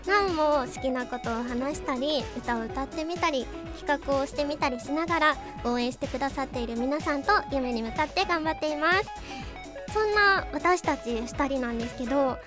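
A woman's voice: sits high, moderate pace. A young woman with a cute, girlish, anime-like voice, talking politely and earnestly as a radio co-host. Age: young adult. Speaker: live streamer and radio co-host. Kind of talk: radio-style personal talk. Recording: music bed behind the voice. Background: background music.

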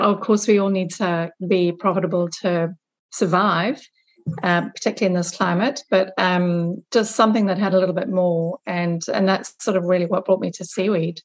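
A woman's voice: on the low side, rough recording. A middle-aged woman from Zimbabwe answering questions conversationally as an interview guest. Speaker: guest, business owner.

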